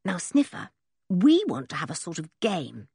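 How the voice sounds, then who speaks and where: A woman voicing a bossy, spirited tomboy girl who talks briskly and gives orders. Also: fairly low pitch, wildly swooping pitch, darkish tone, husky, no room sound, clean studio sound, exaggerated voice. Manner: brisk and commanding.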